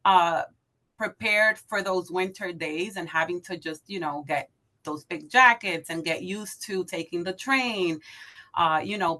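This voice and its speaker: A woman in her thirties from the Dominican Republic, a podcast guest telling her story casually, upbeat and quick to laugh. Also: fairly low pitch, bright, forceful tone. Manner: upbeat, laughs easily, fillers like um and like.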